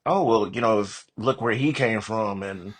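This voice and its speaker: Male author guest, low rough-edged voice, casual and earnest, acts out his inner dialogue. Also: moderate pace. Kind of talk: casual, animated interview chat.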